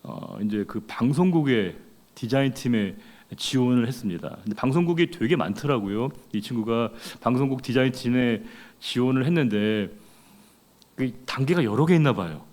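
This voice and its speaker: A man's voice: mid-range voice, lively intonation, normal speed, darkish tone. A middle-aged man preaching a sermon as a pastor, talking conversationally and putting rhetorical questions to the congregation.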